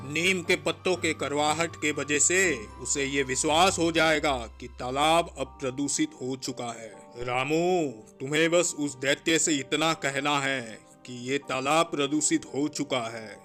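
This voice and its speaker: A man playing a wise, calm forest holy man in a cartoon, giving measured advice. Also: fairly high pitch. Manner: measured, advising. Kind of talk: Hindi cartoon story acting.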